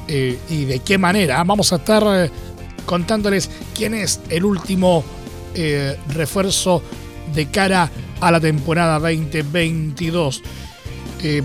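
A male Chilean radio host with a high-pitched voice presents sports news in a broadcast style. Faint music plays underneath him. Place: radio studio.

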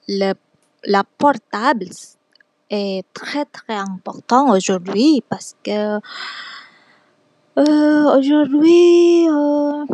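A woman's voice: on the high side, mellow, dry recording. A young woman who is not a native French speaker, recording a class podcast as a student in a hesitant, casual monologue full of fillers and restarts.

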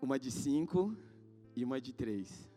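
A man in his thirties with a Brazilian Portuguese accent, preaching in church. He talks in slangy, casual asides, swinging between loud exhortation and hushed storytelling. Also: mid-range voice, expressive, a little slow. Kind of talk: sermon. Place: church sanctuary. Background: faint guitar music.

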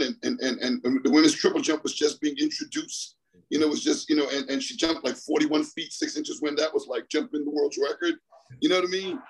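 A middle-aged Bahamian track coach tells his story over the phone in a fairly high, slightly rough voice. He rambles, repeats himself and laughs often during this storytelling interview. The recording quality is low.

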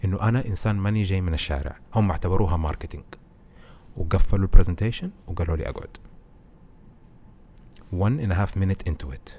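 A man, a podcast guest who explains presenting skills through animated stories in casual conversation. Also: low-pitched, quick pace, long pauses, slight background noise. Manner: animated storytelling, explains with anecdotes.

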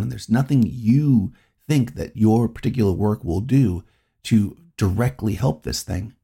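A man's voice: mid-range voice, gravelly, warm tone, husky. A middle-aged man from New England, hosting his own podcast and talking in a reflective, rambling way that circles back on itself. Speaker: podcast host. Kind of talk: reflective solo podcast talk.

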